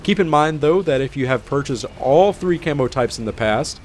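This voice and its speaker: A man's voice: medium pitch, lively intonation, normal speed, slight background noise. A man hosting a gaming video, reading scripted update narration in an informal presenter style. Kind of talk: scripted patch-notes narration.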